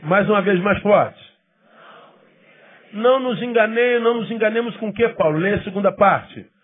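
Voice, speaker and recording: A male pastor preaches a sermon with a fairly high, husky voice. He leans hard on key phrases, then falls to soft, low asides. The recording is thin and phone-like. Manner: emphatic preaching with sudden drops to quiet, low asides; acts out quoted people in quick bursts.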